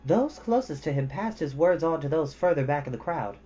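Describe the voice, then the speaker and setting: A man's voice: a little high, animated, a little fast, mellow. A man narrating a storybook expressively as a storyteller. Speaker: storyteller reading a children's novel. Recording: dull lo-fi audio with music. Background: background music.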